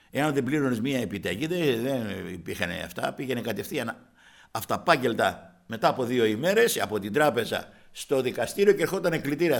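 Brief: older male preacher, gravel in the voice, pitch leaping up and down as he tells his testimony to the congregation. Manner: addresses the congregation as brothers, retells his story vividly. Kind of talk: sermon with personal testimony.

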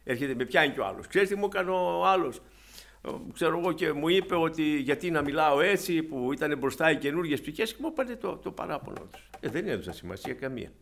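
A man preaching a sermon, swinging between loud exhortation and soft, low asides as he retells anecdotes to his congregation. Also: animated, hardly any pauses.

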